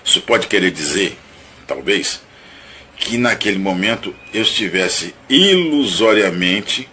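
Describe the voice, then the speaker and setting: Bright-toned, halting man musing aloud. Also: deep voice, a little hiss or hum. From Brazil (Rio de Janeiro). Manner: halting and searching, with many restarts and repeated words; thoughtful, hedging, self-analytical. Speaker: narrator recounting and analyzing his own dream. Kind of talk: reflective spoken monologue.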